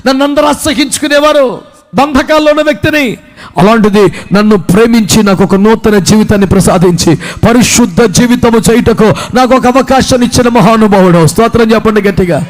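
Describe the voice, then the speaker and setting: A fervent, grieving woman disciple pours out her first-person confession of a soiled past made clean, pleading and rising to cries, as a man puts her on in his sermon. The voice sits extremely high, hardly lower than a woman's. It comes through as a sermon monologue. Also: fairly quick.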